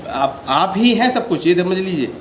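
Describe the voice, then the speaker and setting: A man with a slightly high voice gives a casual devotional talk, earnest and a little defensive as he explains himself at length. He keeps checking in with his listeners as he goes. His phone picks him up in a roomy, echoing space with a faint hiss of noise behind him. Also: sing-song, moderate pace. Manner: often repeats "ठीक है" to check in with listeners. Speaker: devotional channel host. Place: sitting indoors. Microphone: handheld phone without stand. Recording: echoey room with faint background noise.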